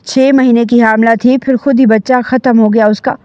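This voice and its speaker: A woman voicing a scornful, sharp-tongued middle-aged mother in a storybook reading, scolding and harsh. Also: on the high side, steady tone, no echo, muffled recording, close to an everyday voice.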